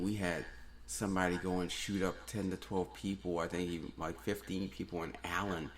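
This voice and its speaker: Male podcast host, low voice, earnest solo rant, repeats lines for emphasis. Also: slight background noise. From New Orleans. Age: adult, has daughters.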